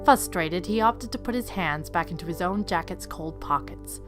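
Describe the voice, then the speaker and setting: A woman's voice: fairly low pitch, expressive, normal speed. A woman reading scripted third-person story narration as the narrator of an audio drama. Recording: faint music behind. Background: faint music.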